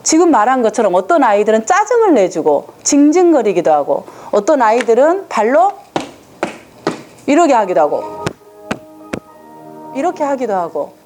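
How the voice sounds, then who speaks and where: Lively woman lecturing parents. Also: fairly high pitch, moderate pace, pauses often, soft background music. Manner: asks the audience frequent rhetorical questions. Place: lecture room with a seated audience. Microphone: hand or stand microphone with some room ring.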